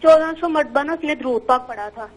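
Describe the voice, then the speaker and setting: High-voiced woman caller, hesitant. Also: poor audio. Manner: hesitant, rambling, full of fillers. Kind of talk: phone-in question.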